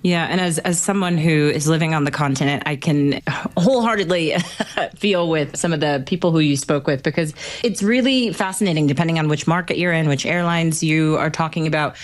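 Deep-voiced female news host. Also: fairly quick. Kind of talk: news interview.

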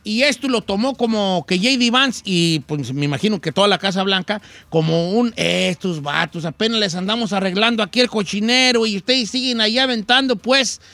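A man's voice: high-pitched, moderate pace, hardly any pauses, sharp tone, no room sound. A Mexican man hosting a comic news chat, joking in slang with many restarts. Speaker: news show host.

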